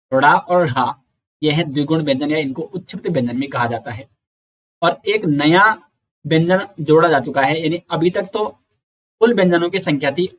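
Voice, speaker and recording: A man giving an exam-prep lecture, explaining slowly, repeating sounds and counting aloud. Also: a little high. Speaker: teacher.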